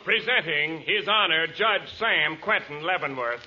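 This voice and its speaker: An actor playing a formal courtroom official pronouncing rulings in 1940s radio comedy style. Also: male voice, a little high, expressive, unhurried, heavy background noise. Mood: officious. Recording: dull old radio recording.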